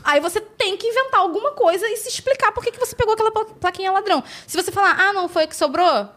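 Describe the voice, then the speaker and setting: A woman from Brazil telling animated stories as a podcast guest, acting out the people she quotes and laughing often. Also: very high-pitched, quick pace. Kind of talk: casual storytelling chat.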